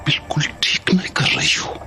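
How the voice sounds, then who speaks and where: A man's voice: normal speed, over music, lightly acted. An actor playing a grown son who returns home after many years and pleads emotionally with his mother, in an audio drama. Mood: pleading.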